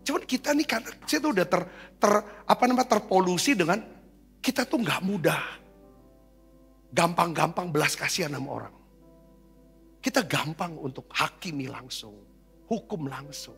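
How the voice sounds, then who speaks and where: Husky, gravelly high-voiced male preacher. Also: animated, normal speed, long pauses, fairly bright tone, big-room sound, soft background music. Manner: exhorting, repeatedly asks for amens; conversational, with fillers and rhetorical questions. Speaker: pastor. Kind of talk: sermon.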